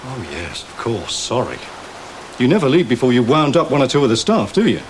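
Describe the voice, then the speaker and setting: Man as an exasperated British teacher, lively intonation. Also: mid-range voice, brisk, a little hiss or hum, lightly acted. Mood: firm reasoning. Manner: wry, patient reproach. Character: exasperated but reasoning male senior schoolteacher. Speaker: actor in a school drama series. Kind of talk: television drama acting.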